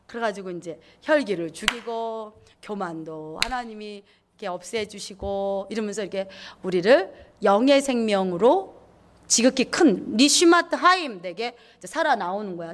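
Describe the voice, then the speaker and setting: A woman pastor preaching a lively sermon, acting out inner voices and repeating words for emphasis. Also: fairly high pitch.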